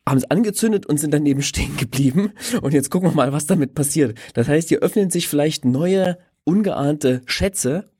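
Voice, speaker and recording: Husky-voiced podcast co-host, man. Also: a little high, a little fast, hardly any pauses, a little mellow. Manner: playful, laughs often, scripted intro. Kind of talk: casual podcast chat.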